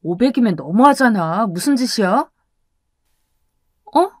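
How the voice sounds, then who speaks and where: A woman's voice: fairly high pitch, animated, unhurried, no room sound, studio quality. A woman voicing an angry young man who scolds his girlfriend in a raised voice. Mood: scolding. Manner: sharp, raised voice.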